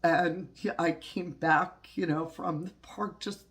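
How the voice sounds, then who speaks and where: A man with a drawl speaks heartfelt and unscripted, leaning on "you know" and "uh" as he works through a hard time. His voice sits a little higher than most men's yet sounds low and stuffy from a cold. He talks about community and spirituality with earnest warmth. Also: fairly even intonation, slow pace. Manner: folksy, heartfelt, many fillers and restarts. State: congested. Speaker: witchcraft channel host. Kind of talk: personal reflective talk.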